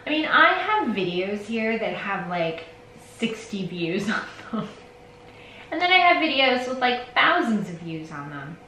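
A woman's voice: mid-range voice, big pitch swings, unhurried, bright, forceful tone, echoey room, slight background noise, low-quality recording. A woman in her forties vlogging casually from her nail studio, rambling and self-deprecating as she talks to the camera. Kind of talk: casual vlog chat. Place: home nail studio with shelves of polish.

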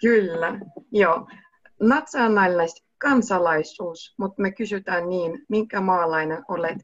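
A young woman teaching a language over a video call, speaking slowly and patiently and switching between two languages. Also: fairly low pitch, dry recording. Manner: slow, patient, switches between Russian and Finnish. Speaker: online Russian teacher. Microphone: video call webcam mic. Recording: muffled, dry video call audio.

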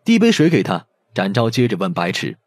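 A man's voice: lowish voice, wildly swooping pitch, brisk, darkish tone, dry recording, studio quality. A man narrating a scripted audiobook story expressively.

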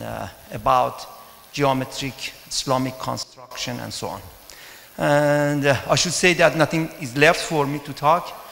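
A middle-aged man from Iran with a Persian accent, giving an informal conference talk in a halting, hesitant way. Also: mid-range voice, creaky, a bit bright. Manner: hesitant, halting delivery with frequent pauses. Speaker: mathematics professor and conference speaker. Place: large conference hall, indoors at a podium. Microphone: handheld microphone. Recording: echoey hall with long reverb.

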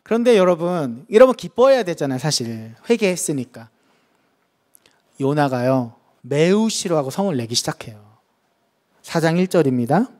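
Lively high-voiced Korean pastor preaching. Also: male voice, normal speed. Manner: lively storytelling, acts out quoted voices. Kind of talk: sermon.

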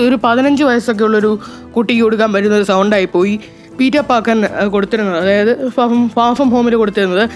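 A woman from Kerala hosting a casual review vlog about film dubbing, chatting with frequent hesitation fillers and restarts. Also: on the high side.

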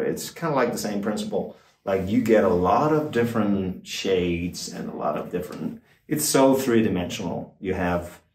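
An older man, a guitar expert guest, explaining in a casual, halting way with many fillers and restarts, in a small backstage room. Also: low voice, a little mellow, far from the mic. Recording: roomy, off-mic, faint noise.

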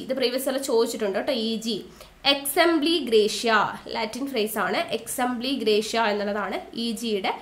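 A woman teacher with a Malayali accent giving a recorded exam-prep lesson, asking questions and answering them herself, and repeating key terms slowly. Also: on the high side, bright, forceful tone.

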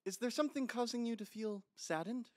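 A man acting an earnest high school boy who plays a part in a stage play, in a comedic audio drama. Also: a little fast, very noisy. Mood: earnest, reciting. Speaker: actor.

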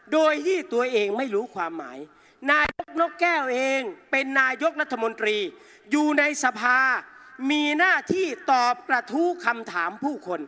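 Male protest orator with a very high voice, combative and scornful, working a big outdoor crowd from the stage. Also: bright, forceful tone. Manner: combative, mocking, addresses the crowd as brothers and sisters. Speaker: protest rally speaker. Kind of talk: fiery political rally speech. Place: outdoor rally stage in a park.

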